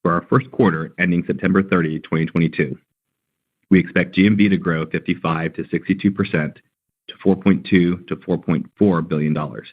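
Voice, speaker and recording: A man with a deep voice delivers scripted financial remarks as a company executive. He reads in a formal, measured manner. The sound is narrow and phone-like, as on a conference call. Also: fairly even intonation, husky. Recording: dull, band-limited conference call audio.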